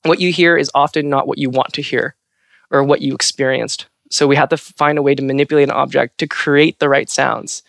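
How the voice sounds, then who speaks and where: A woman's voice: a bass voice, fairly quick, creaky, no echo, clean studio sound. A trans woman from California, a Foley artist, chatting casually on a podcast with a fairly androgynous voice. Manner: animated, androgynous voice.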